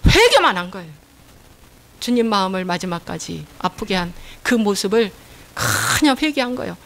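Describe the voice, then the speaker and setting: A middle-aged woman pastor preaching a sermon, repeating key phrases and asking her congregation questions that she answers herself. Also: mid-range voice.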